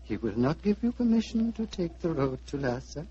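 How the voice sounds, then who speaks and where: A man playing an elderly, gentle abbot who speaks solemnly and paternally, in 1940s radio drama style heard on an old broadcast recording. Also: on the high side, big pitch swings, brisk, background noise. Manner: solemn, paternal, calling others "my son". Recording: dull lo-fi vintage radio broadcast.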